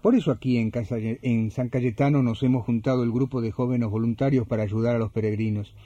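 A man acting an earnest, devout parish volunteer in a radio drama, speaking measured Rioplatense Spanish. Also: mid-range voice, fairly even intonation, warm tone, no room sound, highs cut off, close to an everyday voice. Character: kind, faith-filled young parish volunteer helping pilgrims. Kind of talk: radio drama with scripture narration.

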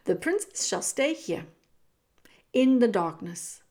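A woman's voice: fairly high pitch, very animated, slow pace, a little mellow, full character voice. A woman voicing a cruel, sneering male rat villain from a storybook, with haughty, formal, commanding diction. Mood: cold, imperious.

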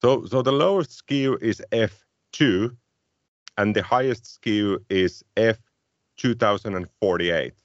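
A man's voice: lowish voice, takes it slowly, no echo, highs cut off. A man with Finnish as his native language, co-hosting a casual tech podcast and talking thoughtfully with frequent restarts. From Finland. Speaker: podcast co-host.

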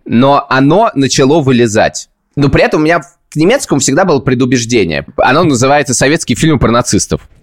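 A man's voice: medium pitch, big pitch swings, fairly quick. A man hosting a podcast, chatting casually and telling long, self-ironic stories. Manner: rambling, self-ironic storytelling. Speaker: podcast host.

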